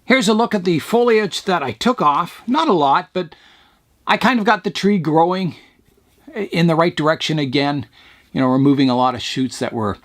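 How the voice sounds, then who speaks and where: A man hosting his bonsai channel, talking casually while he works on a tree, his voice hoarse from talking too much. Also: medium pitch. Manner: rambling, chatty, talks while pruning. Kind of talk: casual narration while working.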